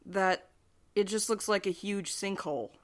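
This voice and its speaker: A woman's voice: medium pitch, measured pace, close to an everyday voice. A woman playing a wry, weary, sarcastic young courier in an audio drama. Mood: apologetic, wry.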